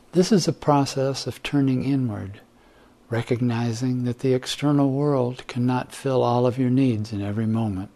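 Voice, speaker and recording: A man narrating a guided meditation in a calm, soothing, measured way with long pauses. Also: medium pitch.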